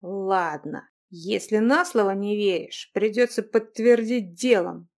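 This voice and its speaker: A woman's voice: mid-range voice, measured pace, close to an everyday voice. Woman playing a bossy young man. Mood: brash. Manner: loud, commanding, cocky.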